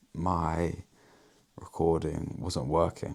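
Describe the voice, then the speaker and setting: The recording is very clean, with a silent background. In it, a man talks with an English accent. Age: young. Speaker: day trading vlogger. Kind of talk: casual monologue vlog. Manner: casual.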